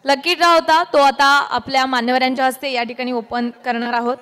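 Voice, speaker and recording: High-voiced woman announcing over a loudspeaker. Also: fairly even intonation, a little fast, clear, resonant tone, in a large hall. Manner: formal, addressing a crowd. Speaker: event announcer. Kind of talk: public event announcing over a PA.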